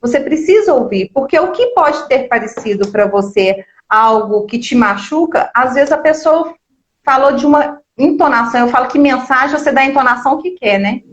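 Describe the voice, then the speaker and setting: A woman's voice: high-pitched, animated, moderate pace. Earnest woman talking on an echoey stream. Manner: earnest, repeats words, many fillers. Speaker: book club co-host. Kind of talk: casual religious discussion. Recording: echoey, somewhat dull online stream.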